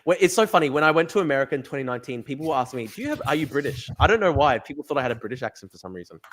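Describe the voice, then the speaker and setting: An Australian man hosting a live-stream podcast, talking rapidly and emphatically with lots of fillers and restarts. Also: medium pitch, sing-song, a bit bright. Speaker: podcast host. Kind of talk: live stream chat, reading viewer comments.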